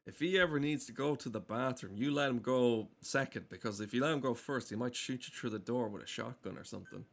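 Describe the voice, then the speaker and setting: Male streamer, mid-pitched, loose and sweary, riffing irreverently over cutscenes in a casual ramble. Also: quick pace, vocal fry. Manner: profane, irreverent riffing with dark humour. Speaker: gameplay streamer.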